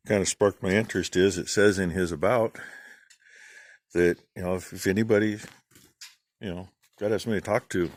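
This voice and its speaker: A middle-aged man, a farmer vlogging, giving rambling, plain-spoken shout-outs in a casual way. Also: low-pitched. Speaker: farm channel vlogger.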